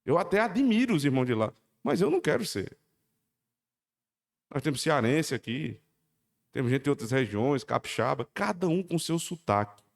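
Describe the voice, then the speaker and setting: A man's voice: a little fast, gravelly. Paraíba-accented pastor man preaching, voice swings up and down a lot, long church reverb. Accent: Paraíba Brazilian Portuguese. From Paraíba, Brazil. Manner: emphatic, exhorting, lively pitch swings. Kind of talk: sermon. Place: church hall.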